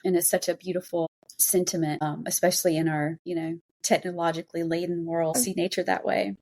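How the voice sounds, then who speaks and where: A woman's voice: lowish voice, level tone, fairly quick, warm tone. A woman hosting a podcast, chatting casually and effusively with a guest. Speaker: podcast host. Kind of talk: casual interview chat.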